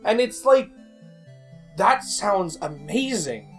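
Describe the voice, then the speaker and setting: A man's voice: high voice, very animated, takes it slowly, faint music behind. A man narrating a personal video about his own work in a conversational, rambling, self-deprecating way. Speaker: indie game developer and video creator. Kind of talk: casual scripted-feeling personal narration.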